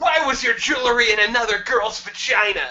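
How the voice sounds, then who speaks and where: Shouting in a put-on character voice, the speaker uses a fairly high pitch at a moderate pace. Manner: screaming angrily.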